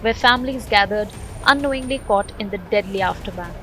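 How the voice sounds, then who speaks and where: A woman narrates a scripted news report voice-over at a brisk pace, her medium-pitched voice fairly bright, with a music bed playing underneath.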